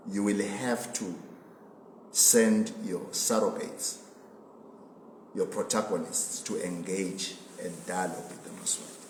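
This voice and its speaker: A man with a Swazi accent giving a political address in an interview, speaking emphatically and deliberately and repeating phrases for emphasis. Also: low voice. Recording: echoey reverberant room with background noise.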